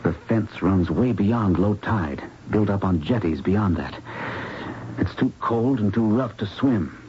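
Earnest protective investigator, very low dark voice, wry and grave, muffled old radio play. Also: male voice, expressive, measured pace, slight background noise. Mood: urgent. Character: earnest protective male investigator doctor in love. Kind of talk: 1970s radio drama acting.

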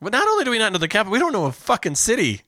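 Animated higher-voiced podcast co-host. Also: male voice, dry recording, studio quality. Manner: animated, jokey, quick to laugh. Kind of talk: casual comedic podcast chat.

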